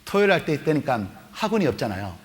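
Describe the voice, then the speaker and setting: Animated pastor in a reverberant hall. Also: male voice, fairly high pitch, fast talker. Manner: animated storytelling, acting out mother and kids in raised voices. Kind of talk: youth retreat sermon with acted story.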